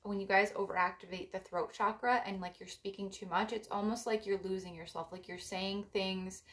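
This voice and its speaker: Raspy-voiced woman reading cards. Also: medium pitch, steady tone, fairly quick. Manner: meandering, filler-heavy, gentle advice. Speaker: psychic card reader. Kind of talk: casual spiritual card reading to camera.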